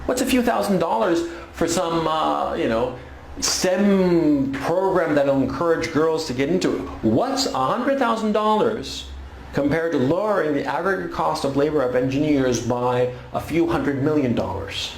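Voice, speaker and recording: A man's voice: a little high, lively intonation, a little slow, vocal fry, roomy sound, a little hiss or hum, low-quality recording. A man from Chile delivering a blunt, sarcastic opinion monologue with coarse language. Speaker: political commentator.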